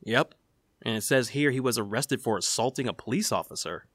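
A young man in a scripted audio drama, speaking with dry, wary deadpan. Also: medium pitch, brisk, dry recording.

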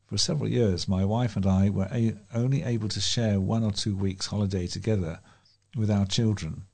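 British man, lowish pitch, dark mellow tone, volunteer newsreader, scripted local news reading. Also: fairly even intonation, normal speed, creaky. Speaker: volunteer newsreader for a talking newspaper.

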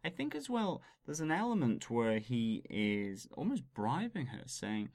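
A man's voice: mid-range voice, huge pitch swings, unhurried, a little mellow, no room sound, clean studio sound. A man from England co-hosting a podcast, explaining things at length and laughing at himself. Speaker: podcast co-host. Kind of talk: casual podcast chat.

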